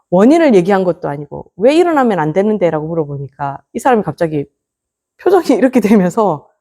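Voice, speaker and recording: A Buddhist nun giving a lecture to lay students, telling stories with rhetorical questions and dropping to soft near-whispers at the ends of phrases. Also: female voice, medium pitch. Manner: storytelling with acted quotes and rhetorical questions.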